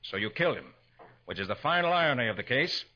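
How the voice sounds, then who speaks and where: A man acting a confident master detective in a 1940s radio crime drama, brisk, deliberate and authoritative. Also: mid-range voice, very animated. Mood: commanding, triumphant. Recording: dull vintage 1940s radio recording.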